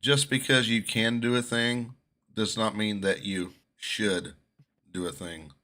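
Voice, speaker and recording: A man's voice: fairly low pitch, fairly even intonation, slow, pushed and bright. A man co-hosting a live stream, teasing the others with wry, mock-solemn remarks. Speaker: co-host. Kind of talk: casual live stream banter.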